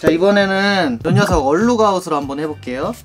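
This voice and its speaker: A man's voice: high-pitched, fast, soft background music. A young man hosting a product test video, explaining things to viewers in a casual, conversational and polite way. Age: young adult. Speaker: product review video host.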